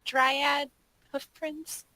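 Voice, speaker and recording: A woman's voice: high voice, level tone, very slow, bright, forceful tone, poor audio. A woman playing a tabletop game, casually narrating what her character does in the third person.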